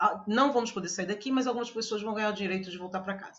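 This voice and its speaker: This is a woman speaking. Her medium pitch has ordinary pitch variation. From Rio de Janeiro, Brazil. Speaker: actress. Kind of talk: webinar talk. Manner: fast.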